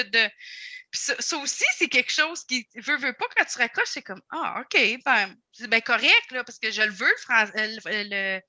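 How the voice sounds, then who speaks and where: A woman's voice: on the high side, pushed and bright, no echo. A woman with a Franco-Ontarian French accent, a guest in a casual panel discussion, talking reflectively with many restarts and fillers. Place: room at a table.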